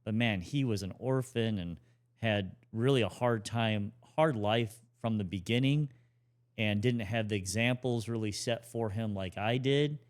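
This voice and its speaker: A man in his forties co-hosting a family podcast, talking in a relaxed, rambling way with restarts. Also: on the low side. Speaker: podcast co-host. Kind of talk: casual conversational talk.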